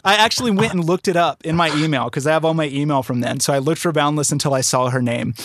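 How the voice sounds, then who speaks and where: A man's voice: a little high, quick pace, fairly bright tone, a little hiss or hum. A man co-hosting a podcast in casual chat, rambling with many restarts. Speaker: podcast co-host.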